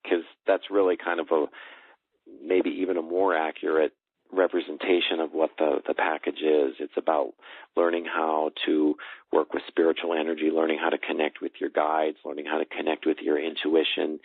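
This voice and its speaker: A man with an extremely low voice speaks as a spiritual coach, earnest and explanatory. He goes in short, measured phrases. The audio is dry and heavily band-limited, like a phone. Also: little pitch movement, vocal fry, husky, no room sound. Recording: muffled phone-like call audio.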